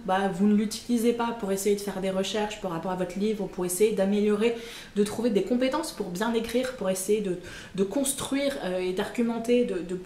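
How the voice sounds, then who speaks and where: A woman talks casually to camera about personal development, chatting with her viewers in a style full of fillers and self-mocking asides. Her voice is medium-pitched and a little mellow. The room is echoey, with faint ambient noise.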